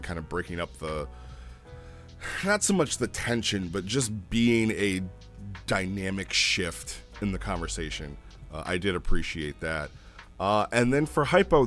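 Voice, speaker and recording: A man with a very low-pitched voice hosts an informal review. He talks off the cuff and rambles as he thinks aloud. Soft music plays behind him. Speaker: host reviewing roleplay logs. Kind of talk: casual unscripted review commentary.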